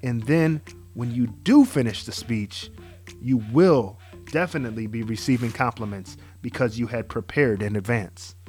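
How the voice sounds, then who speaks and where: A man's voice: medium pitch, moderate pace, a little mellow, soft background music. A man hosting a podcast, giving earnest advice and welcoming a guest. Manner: earnest, encouraging, gives advice. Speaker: podcast host. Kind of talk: casual podcast chat and interviewing.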